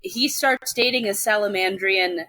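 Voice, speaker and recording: A woman's voice: mid-range voice, unhurried, pushed and bright, no room sound. A woman reading fanfiction aloud and correcting others on the show's lore, with frequent giggles. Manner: giggly, lore-savvy narration. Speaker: reader and co-host.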